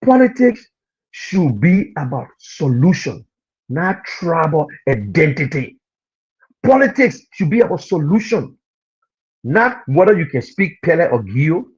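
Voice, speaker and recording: A man's voice: on the high side, big pitch swings, measured pace, darkish tone, slightly rough, muffled recording. A Liberian man with a Liberian accent gives impassioned political commentary on a live radio and TV stream. He scolds the listeners and repeats his points for emphasis.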